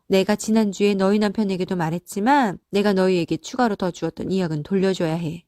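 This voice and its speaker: A woman's voice: medium pitch, warm tone, no room sound, studio quality, lightly acted. A woman voicing a hurt but firm older mother in a story, speaking with reproach and resolve. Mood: stern, measured.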